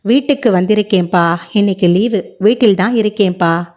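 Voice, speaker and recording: Woman reading as a gentle young bride. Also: mid-range voice, moderate pace, close to an everyday voice. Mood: casual affectionate.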